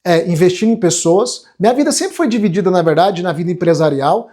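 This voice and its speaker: High-voiced Brazilian man, motivational coach. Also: expressive, fairly quick, dark tone. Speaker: self-development coach hosting an online class. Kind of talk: motivational live lecture to viewers.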